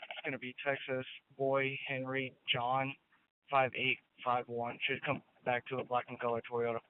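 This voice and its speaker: A policeman's voice comes over a narrow, tinny radio channel with light noise behind it. He is a man of middling pitch, speaking in short, businesslike transmissions. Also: completely flat delivery, moderate pace. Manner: terse, businesslike. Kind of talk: terse police radio traffic.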